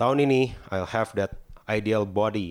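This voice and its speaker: Fairly even intonation runs through the man's medium-pitched voice. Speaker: pastor. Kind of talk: sermon.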